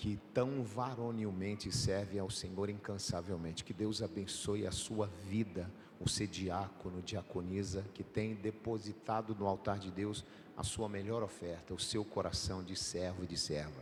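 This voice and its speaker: Somewhat breathy, fairly slow speech with fairly even intonation and audible room echo. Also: man. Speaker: pastor. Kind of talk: sermon. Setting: church.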